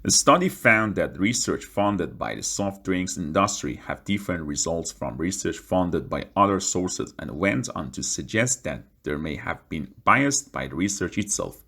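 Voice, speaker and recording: A man's voice: low-pitched, lively intonation, normal speed, gravelly, hardly any pauses, sharp tone, slightly rough. A man reading a short practice passage aloud for an English speaking test. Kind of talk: scripted read-aloud of exam practice passages.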